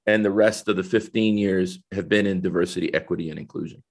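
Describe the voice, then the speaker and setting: Earnest middle-aged man, low voice. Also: fairly even intonation, fast. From El Salvador. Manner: earnest, explains step by step. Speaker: guest, corporate diversity executive. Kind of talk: conversational interview.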